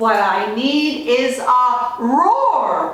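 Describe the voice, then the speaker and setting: Squeaky and high-pitched, this put-on character voice sounds female and rings with a strong echo. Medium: read story. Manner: timid, hesitant.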